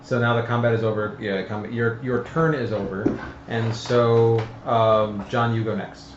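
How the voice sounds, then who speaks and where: A man explaining board game rules to a group in a halting, casual way. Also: on the low side, fairly even intonation. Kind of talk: casual tabletop game chat with rules reading. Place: indoor room, group around a game table. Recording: roomy, dull lo-fi live stream with noise.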